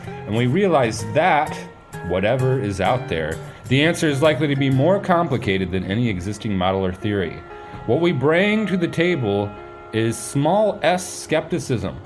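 Man, scripted intro narration, lively up-and-down pitch, plucked guitar music behind.

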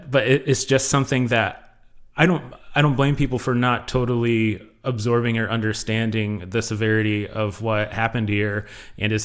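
A man hosting a casual podcast chat, talking with many fillers and restarts. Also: on the low side. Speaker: podcast host. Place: Texas.

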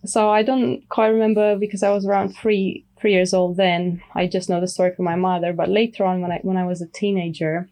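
Soft-spoken woman, mellow and even. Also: lowish voice, brisk, few pauses. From Romania. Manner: soft-spoken, thoughtful, many you knows. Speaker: medical herbalist guest. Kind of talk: casual interview.

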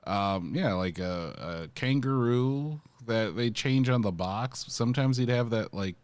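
A man's voice: mid-range voice, expressive, measured pace, no room sound. A man co-hosting a podcast, easygoing, with hesitant fillers. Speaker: podcast co-host and editor. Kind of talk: casual podcast chat.

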